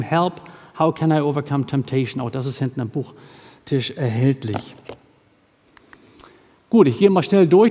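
A middle-aged man preaching to a congregation about his missionary work, with a mellow, somewhat high voice. He tells stories and voices the people in them in quick bursts. The sound carries a long reverb from a large hall. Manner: storytelling, quoting seafarers in short lively bursts.

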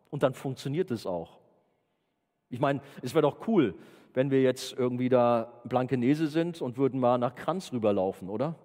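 A man's voice: mid-range voice, darkish tone, big-room sound. A man preaching an informal sermon to a youth group, playful and chatty, often asking the audience questions.

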